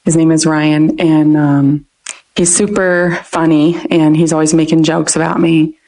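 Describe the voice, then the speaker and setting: A woman in her thirties chats as a podcast guest in a Philadelphia accent. Her voice sits a little low and has a gravelly edge, and she laughs often between phrases. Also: little pitch movement, unhurried, dark tone, poor audio. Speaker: guest, dietetics student. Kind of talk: casual interview chat.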